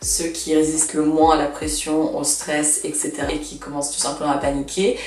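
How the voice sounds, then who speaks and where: Brisk and low, with little pitch movement and a darkish tone, this vlogger's voice is recorded from a distance in an echoey room. She's a Russian woman in her twenties whose first language is Russian, offering casual advice in a chatty, frank way full of fillers.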